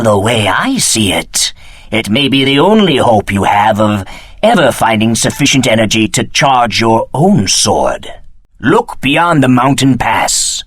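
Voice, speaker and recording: A grave, fretful holy man from a fantasy video game. His formal storytelling rises and falls expressively, in a mid-pitched voice recorded close and dry. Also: fairly bright tone, no echo. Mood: earnest, advising.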